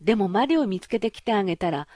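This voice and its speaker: A woman voicing a courteous, coaxing frog in a storybook reading, speaking softly and a little quickly. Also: mid-range voice, lively intonation, no echo, studio quality, close to an everyday voice. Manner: soft, smooth, courteous. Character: polite, coaxing frog in a fairy tale.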